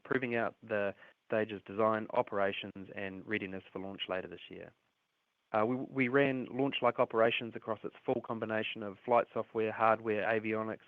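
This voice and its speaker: Low-voiced man on a phone-like call line. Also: no room sound. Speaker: company executive presenting results. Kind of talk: prepared earnings call presentation. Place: conference call relayed on a livestream.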